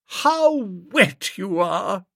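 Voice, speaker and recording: A man voicing a bossy, self-assured young upper-class woman, speaking high and in a breezy, condescending way. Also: sing-song, very slow, sharp tone, no echo, studio quality, heavily acted. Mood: teasing.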